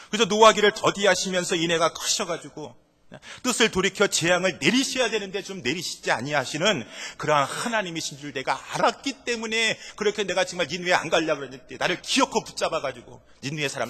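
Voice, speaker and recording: A preacher acting out an indignant, protesting prophet. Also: male voice, high voice, bright, forceful tone, pitched above the performer's own voice, full character voice. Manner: protesting, nagging, repeated pleading calls. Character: indignant prophet complaining to God, male adult. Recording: reverberant church hall.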